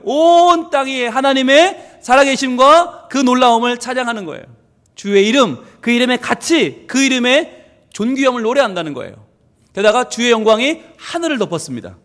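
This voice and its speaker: A man's voice: very high-pitched, fairly bright tone, big-room sound. A male pastor giving an emphatic, conversational sermon with playful asides, recorded in a church.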